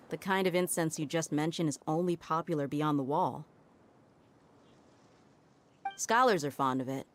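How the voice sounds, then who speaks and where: A woman's voice: low-pitched, lightly acted. A woman playing a shrewd, confident female mercenary in a video game, with a folksy, self-assured, explanatory delivery. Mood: skeptical, matter-of-fact.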